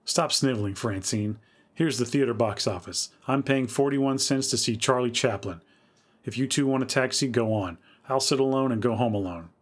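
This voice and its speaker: A man's voice: medium pitch, moderate pace, lightly acted. A man reading the part of a bold, thrill-seeking unmarried woman in her thirties in a dramatic story reading. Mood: scornful. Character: spirited thirty-three-year-old unmarried woman.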